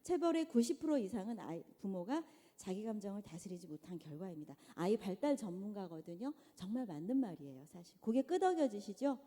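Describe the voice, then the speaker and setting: Lively woman lecturing in a reverberant hall. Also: medium pitch, fairly quick, few pauses. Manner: animated, asks the audience questions. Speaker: guest lecturer. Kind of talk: conversational church lecture to mothers. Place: large church hall. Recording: long church hall reverb.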